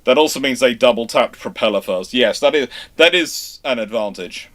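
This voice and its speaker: A male livestream host with a mid-pitched voice talks casually through listener questions. He explains like an animated storyteller, posing questions and then answering them himself. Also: normal speed. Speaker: host of a naval history livestream.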